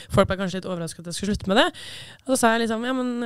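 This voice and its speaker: Her intonation lively, a woman speaks with a fairly high pitch. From Norway, Østfold/Akershus area. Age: 20s. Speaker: powerlifter. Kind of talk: casual chat.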